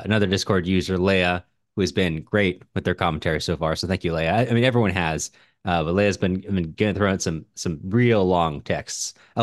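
A man's voice: low-pitched, dry recording, studio quality. A man co-hosting a podcast in a casual, conversational style, discussing books and listener comments. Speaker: podcast co-host.

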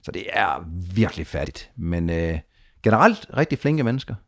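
A man's voice: low-pitched, vocal fry. Danish man telling a wild travel tale. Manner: animated, restarts and repeats words. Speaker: guest adventurer telling a trip story. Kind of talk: casual storytelling in conversation.

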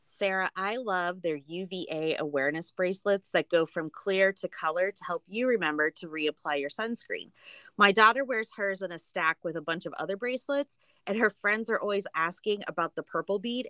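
A woman's voice: lowish voice, normal speed, fairly bright tone, no echo. A woman co-hosting a podcast with a chatty, playful way of talking. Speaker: podcast co-host. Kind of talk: casual chat and read sponsor spots.

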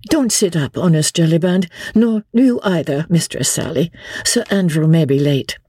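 A woman's voice: on the low side, moderate pace, dark tone, husky, dry recording, clean studio sound, voice pushed up. A woman voicing an aristocratic young lady, polite and commanding yet anxious, in an audiobook. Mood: composed, urgent.

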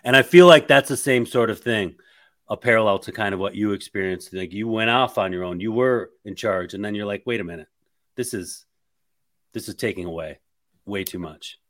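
Lower-voiced man hosting a podcast. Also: moderate pace. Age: 40s. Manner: encouraging, laughs easily. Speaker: podcast host. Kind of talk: casual interview chat.

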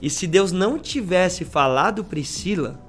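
Man, podcast guest, slangy storyteller, slightly raised pitch, faint music underneath. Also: animated, unhurried. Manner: slangy, peppers speech with "cara" and "mano"; acts out quoted dialogue in changing voices. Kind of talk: animated storytelling in casual chat.

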